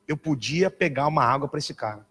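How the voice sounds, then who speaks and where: A man preaching a sermon as a pastor, telling a story in an animated, dramatic way and mimicking other voices. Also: a little high, a little fast, breathy edge. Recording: reverberant hall.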